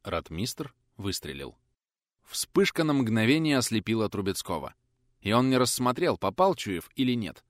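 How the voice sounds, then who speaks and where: A man's voice: fairly low pitch, big pitch swings, normal speed, dry recording, clean studio sound. A man narrating a war adventure audiobook in a tense, vivid manner.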